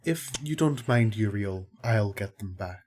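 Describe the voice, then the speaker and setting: A man playing a calm, kindly healer angel in an audio drama, with a reasonable, diplomatic way of talking. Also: fairly low pitch, measured pace, slight background noise. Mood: gentle.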